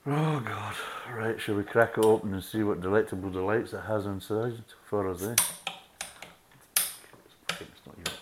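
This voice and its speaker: Deep-voiced Scottish man reviewing beer. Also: normal speed, slight background noise. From Scotland. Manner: chatty, swears freely, laughs at own jokes. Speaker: beer review podcast host. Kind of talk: casual chat.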